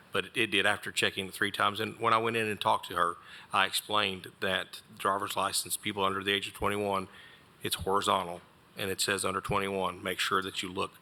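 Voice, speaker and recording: Male deputy, deep monotone, bright tone, matter-of-fact hearing testimony. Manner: plain, halting account with restarts. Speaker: sheriff's office officer. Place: county board meeting room.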